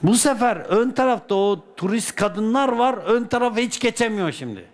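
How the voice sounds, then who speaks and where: A man from Turkey, a dervish, telling a personal anecdote in a colloquial, lively way with folk sayings. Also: high-pitched, normal speed. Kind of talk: casual spoken anecdote.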